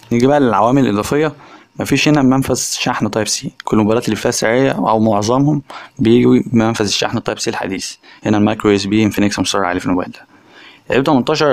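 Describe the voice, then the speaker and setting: Man, Egyptian accent, tech reviewer, extremely quick delivery, slightly low pitch, casual direct address. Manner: colloquial, chatty, direct address to viewers. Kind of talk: casual phone review voice-over.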